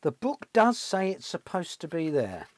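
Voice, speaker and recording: A man's voice: on the high side, wildly swooping pitch, a little slow, dry recording. A middle-aged British man giving casual hands-on repair commentary, thinking aloud and often tagging questions onto his remarks. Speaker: repair channel host, electronics technician. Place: small cluttered indoor electronics workshop.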